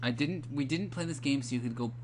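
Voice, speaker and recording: A man's voice: medium pitch, fast. A young man giving casual, joking game commentary in a rambling, teasing way as co-host of a let's play. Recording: clearly noisy home recording.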